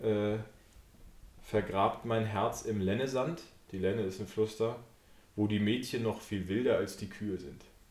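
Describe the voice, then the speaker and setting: Amid audible room echo, a man speaks at a fairly slow pace with long, frequent pauses, his fairly low pitch held in fairly even intonation. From Sauerland, Germany. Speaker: podcast co-host. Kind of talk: casual chat. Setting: studio.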